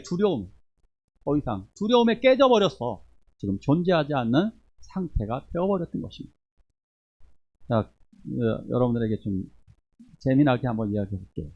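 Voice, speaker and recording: A man preaching a sermon as pastor, moving between forceful exhortation and quiet asides to the congregation. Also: mid-range voice, husky, lo-fi sound. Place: church sanctuary.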